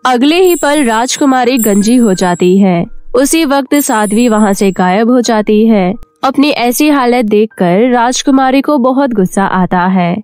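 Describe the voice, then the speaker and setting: A woman's voice: a little high, animated, a little slow, hardly any pauses, a little mellow, dry recording. A woman storyteller reading a scripted children's fairy tale narration. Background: faint music.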